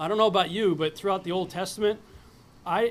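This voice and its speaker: This man is loud and talks at a very fast pace. His pitch varies in an ordinary way. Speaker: speaker presenting on Bible cosmology. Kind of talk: lecture. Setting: live event with audience.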